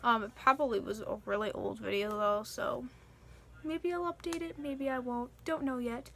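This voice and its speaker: Young woman vlogger, pitched a bit high, chatty and earnest, loose casual delivery with fillers. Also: moderate pace, sharp tone, slight background noise. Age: young adult. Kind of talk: casual Q and A vlog.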